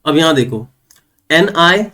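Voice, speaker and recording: A young man teaches an English grammar lesson for exam students, with a voice pitched a little above the usual male range. He works through examples step by step, asking questions and answering them himself. He reads the English example sentences slowly and clearly. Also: lively intonation, sharp tone. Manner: explains step by step, asks and answers his own questions. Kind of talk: online exam-prep lesson.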